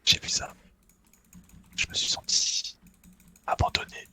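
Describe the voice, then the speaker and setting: A man whispering casual gaming chat close to the microphone in a terse, deadpan way. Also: slow. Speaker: duo gaming partner. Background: computer keyboard typing.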